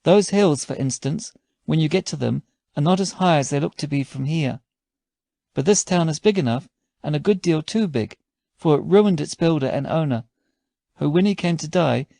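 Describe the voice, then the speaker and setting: A man's voice: on the high side, vocal fry, darkish tone, no room sound, studio quality. A man voicing a talkative country landlord in a story, explaining things in a rambling, deferential, matter-of-fact way.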